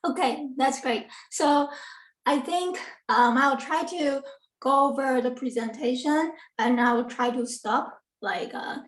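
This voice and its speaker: A woman's voice: high voice, slow pace. Woman, from a distance. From Taiwan. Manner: earnest, with frequent ums and self-corrections. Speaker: guest lecturer, assistant professor. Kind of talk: academic talk on a video call. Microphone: video call computer mic. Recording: roomy, distant from the mic.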